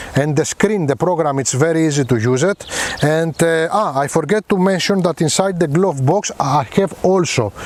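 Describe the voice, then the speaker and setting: Against noticeable background noise, a man with a Greek accent speaks at a moderate pace and fairly high pitch with lively intonation. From Greece. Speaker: motorcycle reviewer. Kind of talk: product review while riding. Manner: halting, with many fillers.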